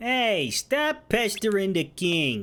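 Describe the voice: A man puts on a character voice with a high pitch, in a very clean recording over a silent background.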